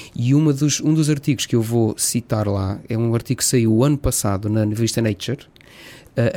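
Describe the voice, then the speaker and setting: A man speaks at a moderate pace with a dark, mellow tone and ordinary pitch variation. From Lisbon area, Portugal (childhood in Africa). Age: 50s. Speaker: marine biology professor. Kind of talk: interview.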